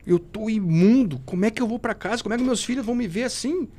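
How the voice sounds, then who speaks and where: A man's voice: high-pitched, fast, warm tone. A man giving an emotional personal testimony as a podcast guest, speaking fervently and in a preachy way, often calling the listener brother.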